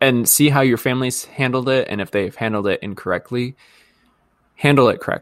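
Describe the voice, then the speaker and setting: A man with a Midwestern US accent speaks at medium pitch and a fairly quick pace. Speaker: podcast co-host. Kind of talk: casual chat.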